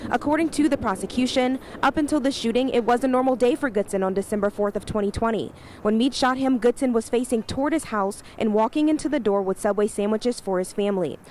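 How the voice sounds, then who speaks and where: A woman TV news reporter delivers a scripted live report from outside a courthouse, her voice a little high with a darkish tone. Background noise is clearly audible in this on-location recording.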